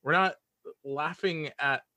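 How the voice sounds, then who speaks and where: A man's voice: fairly high pitch, slow pace, sharp tone, dry recording, clean studio sound. A man in a casual podcast chat, talking hesitantly and repeating words as he hedges his points. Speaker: podcast guest, audio drama writer.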